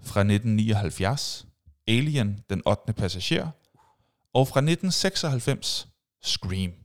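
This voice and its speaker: A man's voice: fairly low pitch, animated. A man hosting a podcast, telling personal stories in a casual chat and acting out screams and sound effects. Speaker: podcast host.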